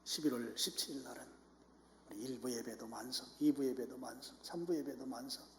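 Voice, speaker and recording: A Korean man preaching a sermon as pastor, moving from calm explanation to loud, impassioned urging of his congregation. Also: medium pitch, fairly quick, a little hiss or hum. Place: church sanctuary. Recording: echoey church hall.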